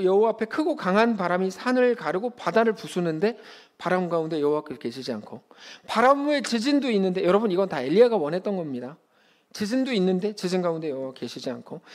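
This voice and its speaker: Man, 30s, pastor, sermon, lively pitch, gravelly, conversational preaching. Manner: animated, conversational preaching with acted-out quotes.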